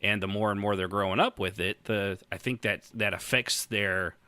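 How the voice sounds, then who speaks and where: A man's voice: fairly low pitch, fairly even intonation, moderate pace, bright, forceful tone, no echo. A man in his late thirties hosting a casual podcast, rambling and joking with irreverent, teasing asides. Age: late 30s. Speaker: podcast host.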